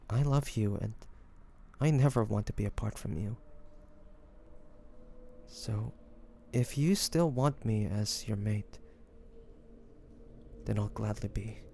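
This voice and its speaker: A man playing a devoted young lover in an intimate romantic fantasy audio roleplay, speaking softly and haltingly with great affection. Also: on the low side, creaky, slight background noise. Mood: tender, earnest. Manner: soft, hesitant, affectionate, halting phrases.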